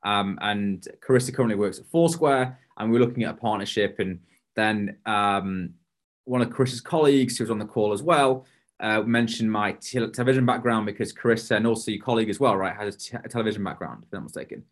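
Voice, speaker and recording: A man's voice: on the low side, fast talker. A man hosting a podcast interview over a video call, talking casually with many restarts and fillers. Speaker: podcast host.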